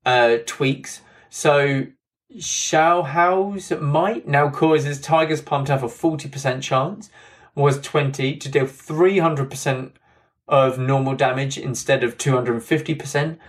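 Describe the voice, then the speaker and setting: A man talking through game patch notes in a loose, rambling way. His voice sounds a little hoarse, as if it is drying up. His pitch sits in an ordinary middle range. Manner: rambling, repeats "that kind of thing", fillers. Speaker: game content creator. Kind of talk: casual patch-notes commentary.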